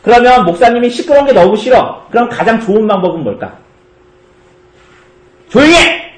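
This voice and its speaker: A male pastor giving a children's sermon, asking the kids questions and answering them in a lively way. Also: high-pitched, fast talker, reverberant. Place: church.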